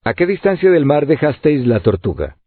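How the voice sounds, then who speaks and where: A man voicing a calm middle-aged engineer who explains in a measured way, in a tinny, lo-fi recording. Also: on the high side, breathy edge, no room sound, pitched above the performer's own voice. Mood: reasoning. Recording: tinny phone-like lo-fi audio.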